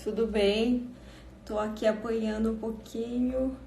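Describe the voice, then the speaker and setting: Woman live-stream host, slow and higher-pitched, faint noise in the background. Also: steady tone, mellow. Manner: slow, chatty and welcoming.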